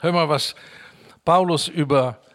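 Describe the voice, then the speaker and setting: High-voiced man preaching emphatically. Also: a bit bright. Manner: emphatic, repeats key words, quotes scripture slowly. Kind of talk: sermon.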